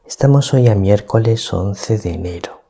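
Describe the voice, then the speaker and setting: A priest from giving a calm, deliberate gospel reflection at night, keeping his voice down so as not to wake anyone. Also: fairly low pitch, vocal fry, breathy edge. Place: small hermitage at night.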